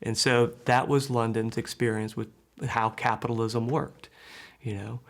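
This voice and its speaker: A man's voice: medium pitch, little pitch movement, measured pace. A man telling a story in the present tense as a documentary interviewee.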